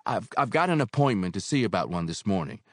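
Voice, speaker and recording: Narrator voicing a hesitant young man, stammering, lively pitch, dry booth sound. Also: fast talker, no room sound.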